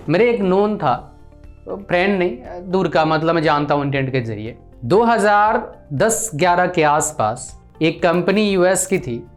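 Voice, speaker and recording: A young Indian man, a career counsellor, speaking earnestly and directly to viewers in a lecturing advice talk. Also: on the high side.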